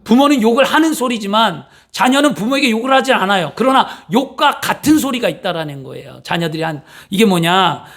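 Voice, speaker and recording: Pastor guy preaching, high voice, lively, keeps asking the room questions. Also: fairly quick, hardly any pauses. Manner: animated, acts out quotes, asks rhetorical questions. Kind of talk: sermon.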